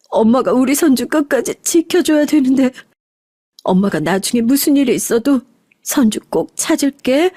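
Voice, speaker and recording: A desperate young mother, acted by a woman narrator, tender and anguished as she pleads. Her voice lifts high, apologetic and loving, in a dry audio story drama. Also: warm tone, dry recording.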